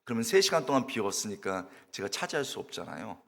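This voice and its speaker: A man's voice: fairly low pitch, big pitch swings, fast, vocal fry, big-room sound. A middle-aged man preaching a sermon to a congregation, telling stories and asking them questions directly. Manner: storytelling, shouts and wails while acting out his own tearful prayer. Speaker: pastor, guest preacher. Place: church sanctuary.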